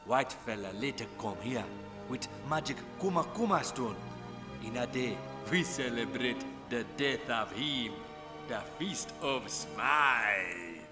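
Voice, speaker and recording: A man's voice: mid-range voice, animated, slow pace. A man playing a menacing tribal island chief who speaks ominous broken English in a video game. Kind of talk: video game cutscene acting. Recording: music under the voice.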